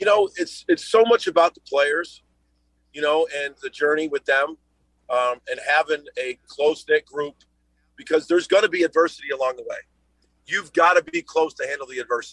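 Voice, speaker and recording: A man with a Chicago accent speaks at a moderate pace and a fairly high pitch. His loudness swings widely, in a dry, close sound with no echo. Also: ordinary pitch variation. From US Midwest. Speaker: college basketball head coach. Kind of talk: interview. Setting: video call from a car.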